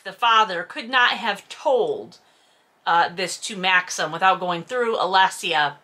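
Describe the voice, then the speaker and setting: Sarcastic woman with a bright, forceful voice. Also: mid-range voice. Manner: sarcastic, sweary, exasperated. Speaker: host reading a novel aloud with commentary. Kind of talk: casual mocking commentary on a book.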